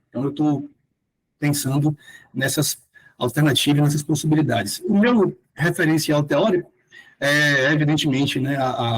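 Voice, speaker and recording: A man's voice: a little high, husky, low-quality recording. A man from Salvador with a Bahian accent, a philosophy teacher presenting his research in a hesitant academic talk full of fillers, with formal passages read aloud. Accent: Bahian Brazilian Portuguese. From Salvador, Bahia, Brazil.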